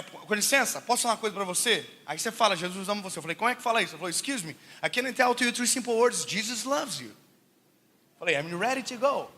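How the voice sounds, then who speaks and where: With a very high voice, this Brazilian preacher tells his sermon as a humorous story from his own life. He laughs frequently and stays animated, moving between booming shouts and quiet side remarks.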